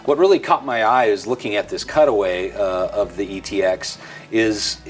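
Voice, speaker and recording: Low-pitched man presenting a product. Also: normal speed, soft background music. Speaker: company presenter hosting a product tutorial.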